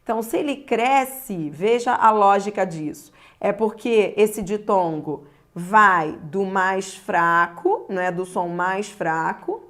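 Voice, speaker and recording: A woman's voice: mid-range voice, a bit bright. A Brazilian woman teaching a grammar lesson, stretching key words and speaking straight to the viewer. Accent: Brazilian Portuguese. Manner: slow and deliberate, stretching key words, addressing the viewer directly.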